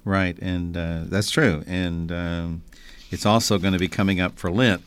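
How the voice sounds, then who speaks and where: A man's voice: low-pitched, steady tone, measured pace, smooth. An older man, a Catholic bishop, reading scripture and reflecting on faith in conversation. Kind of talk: Gospel reading and reflective talk.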